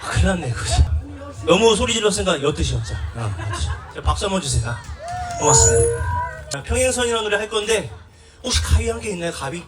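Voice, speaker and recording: A man performing as a pumba singer and emcee on an outdoor festival stage, bantering loudly and playfully with the audience. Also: high-pitched, big pitch swings, brisk. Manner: loud playful banter, teases the audience, runs quizzes. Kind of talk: live stage singing and crowd banter. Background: live music and crowd.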